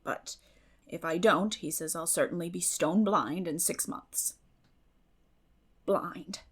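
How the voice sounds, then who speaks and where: A woman's voice: fairly low pitch, slow, breathy edge. A woman voicing a weary, bitter older farm woman in an audiobook, speaking in plain rural phrases with sad resignation. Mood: dejected. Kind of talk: dramatic audiobook reading.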